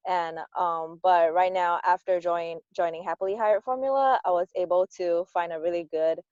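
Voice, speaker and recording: Soft-spoken young woman from Singapore. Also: on the low side, normal speed, clean tone, dry recording. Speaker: panelist, data analyst. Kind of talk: casual chat on a video call. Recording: dull dry video call audio.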